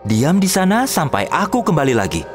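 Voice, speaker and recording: A woman voicing a cunning young male musician in a cartoon, giving sly, bossy orders in a lowered voice. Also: very animated, fairly quick, faint music behind. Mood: scheming. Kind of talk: cartoon dub storytelling.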